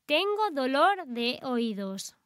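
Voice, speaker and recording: Slow, careful woman reading for learners. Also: high voice, very animated, fairly bright tone, dry recording, studio quality. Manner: clear, careful, deliberate enunciation. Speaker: language teacher.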